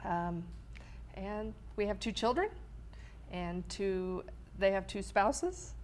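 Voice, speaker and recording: A middle-aged woman from Illinois, a pastor guest, introducing herself in a plain, friendly, unhurried way. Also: medium pitch, lively intonation, a little mellow, a little hiss or hum.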